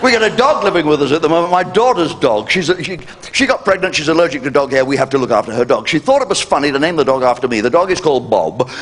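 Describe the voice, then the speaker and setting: An older man doing a live stand-up comedy routine, brash and cheeky, with sudden jumps in pitch for punchlines. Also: lively intonation, fast talker, fairly bright tone, slight background noise. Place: live venue with audience laughter.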